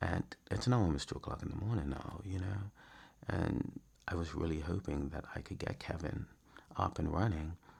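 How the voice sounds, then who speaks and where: Vocal fry runs through a man's very deep, low voice as he speaks at a moderate pace. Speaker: poet and video creator. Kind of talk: casual vlog monologue. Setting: sitting on bed at home. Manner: halting, repeated sounds and pauses; little mouth movement.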